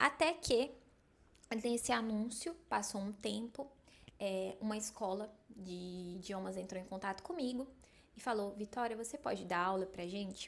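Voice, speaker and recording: A woman's ordinary speaking voice at a medium pitch, with a fairly slow pace and ordinary pitch variation. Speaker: French teacher. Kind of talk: personal storytelling vlog. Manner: casual, conversational.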